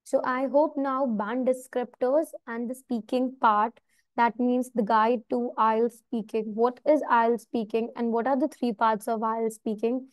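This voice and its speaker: A woman's voice: on the high side, steady tone, very slow, dry recording. A woman with an Indian accent teaching an IELTS class live, mixing Hindi and English and often checking whether students follow. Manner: mixes Hindi and English, asks students if clear. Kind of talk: live online class lecture.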